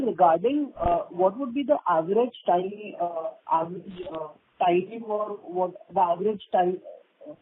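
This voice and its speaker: A woman's voice: medium pitch, slightly rough. A woman asking questions as a caller, polite, wordy and hesitant. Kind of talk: unscripted question on earnings call. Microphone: telephone conference call. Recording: narrow phone line.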